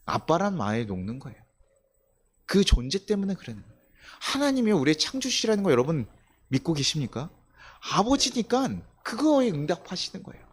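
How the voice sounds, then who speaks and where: A man's voice: sits high, big pitch swings, a little fast, husky. A male pastor giving a conversational sermon, asking the congregation questions and acting out quoted voices. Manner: conversational preaching with rhetorical questions; acts out quoted voices of children and God.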